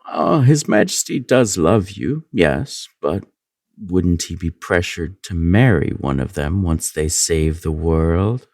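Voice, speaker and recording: A scheming royal advisor in a fantasy audio drama. His voice is low and gravelly, swooping theatrically as he flatters and insinuates. He takes his time, sly and manipulative, in a close, dry sound. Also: dry recording, full character voice. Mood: insinuating. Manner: insinuating, obsequious, drawn-out delivery.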